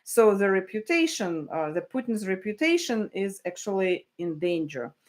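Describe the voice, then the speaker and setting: A woman's voice: mid-range voice, very animated, normal speed. Woman journalist, live commentary, hesitant delivery with restarts. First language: Russian. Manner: hesitant, many fillers and restarts. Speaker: journalist hosting a live stream. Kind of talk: live stream commentary, reading viewer messages.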